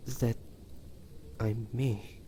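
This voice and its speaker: A man playing a weary, vulnerable young hunter in an intimate romantic audio drama, speaking haltingly and tenderly, with devotion. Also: mid-range voice, level tone, warm tone, slight background noise. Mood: hesitant, wondering. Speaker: amateur voice actor.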